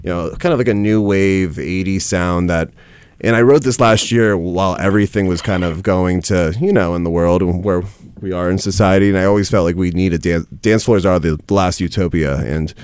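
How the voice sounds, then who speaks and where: A man with a baritone voice, a musician guest chatting casually on a radio show and laughing easily. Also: moderate pace, darkish tone, clear, resonant tone. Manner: easygoing, laughs often.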